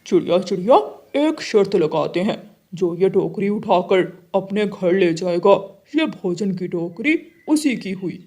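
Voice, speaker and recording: A woman doing a loud gloating bully crow. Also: mid-range voice, animated, unhurried, pitched below the performer's own voice. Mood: scheming. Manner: gloating, loud, with mocking laughs. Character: boastful bullying male crow, greedy.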